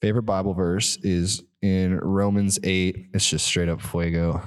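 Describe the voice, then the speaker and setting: A man with an American accent speaks in a very deep, low voice with fairly even intonation. The recording is very clean, with a silent background. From New Mexico, US. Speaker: pastor. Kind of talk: casual interview.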